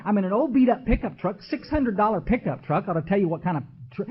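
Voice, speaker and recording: A man's voice: high-pitched, lively intonation, quick pace, breathy edge. A man, giving an emotional recovery talk from a podium and speaking straight to the crowd in a folksy way. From Texas. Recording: dull lo-fi archival tape.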